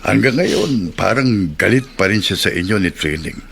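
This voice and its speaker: A man playing a gentle, weary old father-in-law in a radio drama, calm and fatherly. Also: fairly low pitch, normal speed, gravelly, slight background noise.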